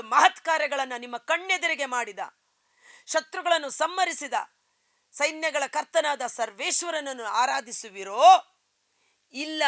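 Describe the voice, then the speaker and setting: Fervent woman preacher with a forceful voice. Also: high voice, no room sound. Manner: fervent preaching, swelling emphasis on key phrases. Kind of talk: Christian sermon.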